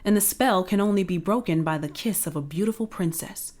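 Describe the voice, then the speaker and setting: A woman's voice: on the low side, a little fast, a little mellow, lightly acted. A sad, pathetic frog pleads for help as a woman reads him. He is a small storybook trickster with a mournful voice. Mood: pleading.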